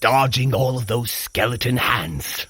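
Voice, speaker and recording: In a fitness audio drama, a male actor plays a boisterous Asgardian warrior god coaching a mortal through training, with theatrical, archaic, cheerfully bloodthirsty delivery. His medium-pitched voice is unhurried, a bit bright, with a breathy edge, and he sounds amused. The recording is dry.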